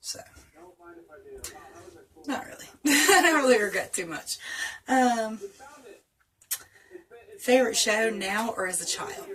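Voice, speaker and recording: A woman's voice: on the high side, lively intonation, slow, pauses often, fairly bright tone, low-quality recording. A woman in her late thirties with a Southern US accent, chatting casually and laughing often while answering tag questions. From North Carolina. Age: 30s. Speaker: vlogger.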